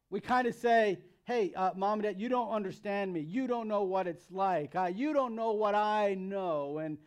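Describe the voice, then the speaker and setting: A man's voice: sits high, darkish tone. A man in his thirties with an American accent gives a sermon to young people as their pastor, conversational and emphatic, repeating phrases for emphasis. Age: 30s. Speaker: youth pastor preaching.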